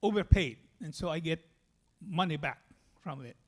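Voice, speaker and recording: A man from the Philippines with a Filipino accent, giving a personal church testimony in a halting way. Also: a little high, expressive, a little mellow.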